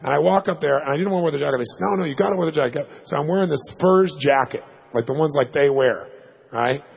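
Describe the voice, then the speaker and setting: A man telling a story to a live audience as a motivational speaker, fast and punchy, checking in with "right?" asides. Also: fairly high pitch, creaky, slightly rough. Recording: long hall reverb.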